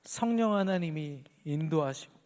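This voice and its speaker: A man's voice: fairly high pitch, lively intonation, moderate pace, darkish tone, big-room sound. A man preaching an earnest sermon as pastor at a midweek church service, lifting his voice on key phrases.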